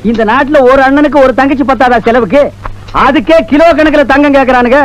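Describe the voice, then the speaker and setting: A man's voice: very high voice, fairly even intonation, fast, rough recording. An actor playing a sarcastic male jail warden who fires off mocking comebacks in a film comedy.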